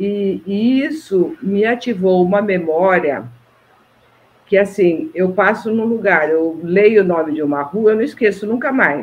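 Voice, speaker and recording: Here is a woman with a normal speaking voice at a medium pitch. Her intonation is lively, and her pace is fairly slow. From rural Brazil. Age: 60s. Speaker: interviewee sharing spiritual experiences. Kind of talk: personal testimony interview.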